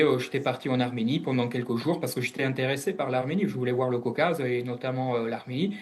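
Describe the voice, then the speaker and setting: An Italian man, a guest analyst, gives interview answers in a mid-pitched voice. He sounds hesitant, with lots of fillers and restarts.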